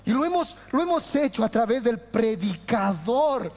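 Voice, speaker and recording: A man preaching a sermon as pastor, impassioned, swinging from loud declarations to hushed words. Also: extremely high pitch, sing-song, normal speed, in a large hall.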